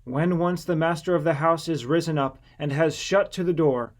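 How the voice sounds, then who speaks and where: Guy doing a firm preaching teacher in a bible audiobook, bit high, solemn and exhorting. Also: moderate pace, close to an everyday voice. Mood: solemn, instructing.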